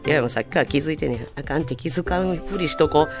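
A woman with a Kansai accent co-hosting a radio show, trading quick jokes. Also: low-pitched, loud music behind the voice. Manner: quick, joking banter. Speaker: radio co-host. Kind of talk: casual radio chat. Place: radio studio.

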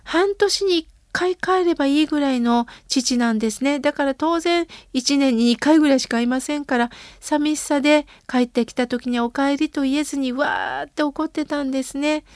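A woman, a radio host and temple priest, reading listener letters aloud in a gentle, unhurried way and answering them. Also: high voice, dry recording, studio quality.

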